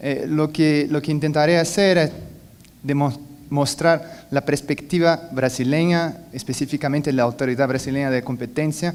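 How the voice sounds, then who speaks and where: Speaking fairly slowly, a man talks with a Portuguese accent. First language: Portuguese (speaking Spanish). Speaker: competition authority commissioner and law professor. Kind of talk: conference presentation. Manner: halting, many false starts and fillers.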